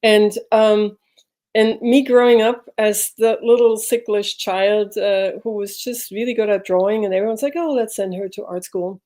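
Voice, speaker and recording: A middle-aged woman from Switzerland, a podcast guest telling her life story in a reflective, halting way as she searches for words. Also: mid-range voice, fairly even intonation, warm tone. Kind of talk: personal storytelling in an interview.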